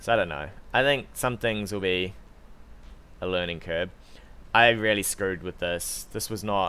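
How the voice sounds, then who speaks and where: With a New Zealand accent, a man speaks at a fairly slow pace with long, frequent pauses, his very deep, low pitch paired with a bright, sharp tone. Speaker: video game streamer. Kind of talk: live gameplay commentary. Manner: casual, thinking aloud.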